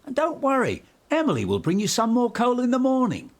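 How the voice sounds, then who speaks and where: A man's voice: very high-pitched, huge pitch swings, fairly quick, voice pushed up, full character voice. Storybook engine driver, voiced by a man: male, comforting, cheery-natured, swooping intonation. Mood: reassuring. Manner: reassuring. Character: reassuring, good-humoured male engine driver.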